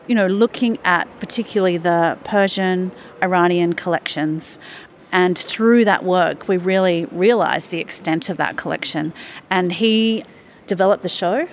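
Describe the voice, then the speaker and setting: A woman with a lowish voice talks steadily and warmly about her work as a museum chief executive, pausing with small fillers. A faint hiss sits under the recording. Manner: measured, enthusiastic, with fillers. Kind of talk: radio interview answers.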